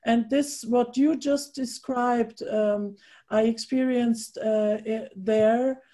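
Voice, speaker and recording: German lady in her 50s hosting a video call chat, talks slow w lots of ums, kinda higher voice. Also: steady tone, dark tone. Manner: slow, thoughtful, many pauses and fillers. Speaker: interviewer host. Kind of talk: casual video interview.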